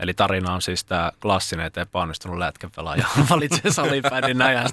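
A man with a very deep, low pitch talks at a moderate pace, his tone bright and sharp and his intonation lively. The recording is very clean and silent in the background, with a dry, close sound and no echo. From Lappeenranta, South Karelia. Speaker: sports commentator, podcast guest. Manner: hesitant, many repeated filler words.

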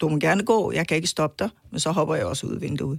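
A woman speaks with a Persian accent. Her pitch is fairly low. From Iran. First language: Persian (speaking Danish). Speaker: social educator and refugee. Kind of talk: life story interview.

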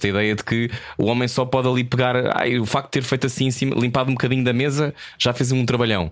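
The man's pitch sits in the medium range. He talks at a very fast pace. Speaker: radio host. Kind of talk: radio interview.

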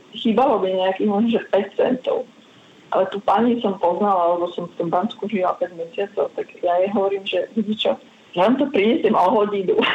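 A woman talks at a fairly quick pace in a plain, everyday voice. Her pitch is medium, with ordinary variation. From Slovakia, Prešov. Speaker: traveller living abroad. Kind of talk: interview.

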